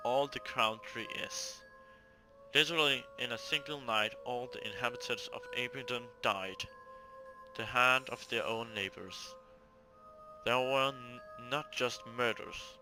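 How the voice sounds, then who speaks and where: Man as grave newspaper reporter, middle pitch, halting read, game music clearly underneath. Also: natural voice, rough recording. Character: sober newspaper reporter on a mass killing. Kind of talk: reading a news report aloud.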